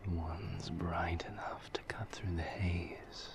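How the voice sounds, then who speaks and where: Man playing a deep, whispery, slow seductive vampire. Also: steady tone, background noise. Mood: teasing, intimate. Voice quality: breathy, half-whispered. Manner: formal, silky, deliberate phrasing. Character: suave seductive male vampire, indulgent and flirtatious. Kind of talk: intimate roleplay audio acting.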